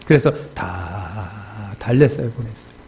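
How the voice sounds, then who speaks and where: A man preaching a sermon in a church, telling anecdotes and acting out his congregants' distressed pleas in high crying voices. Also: animated, measured pace, darkish tone, low-quality recording. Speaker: pastor. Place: church sanctuary.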